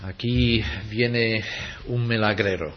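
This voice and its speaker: A man preaching a sermon slowly and deliberately, acting out quotes for emphasis. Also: fairly low pitch, steady tone, slight background noise. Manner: slow, deliberate preaching with dramatic acted quotes. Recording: dull lo-fi recording.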